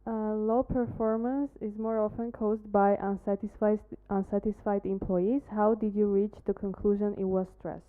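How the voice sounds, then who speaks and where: A woman's voice: mid-range voice, flat delivery, normal speed, few pauses. A woman moderating a Q&A session, plainly reading out questions to a presenter. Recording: phone-like narrow band.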